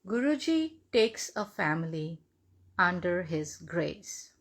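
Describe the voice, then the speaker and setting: A woman reads a devotional testimony aloud in measured, deliberate phrases. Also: lowish voice, very animated. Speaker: devotional reader.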